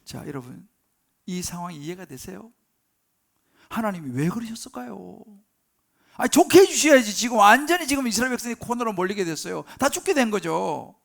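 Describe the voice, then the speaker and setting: A man's voice: sits high, big pitch swings, fairly quick, gravelly, bright, forceful tone. A middle-aged male pastor preaching a sermon, telling the story with animation and acting out the quoted lines. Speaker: senior pastor.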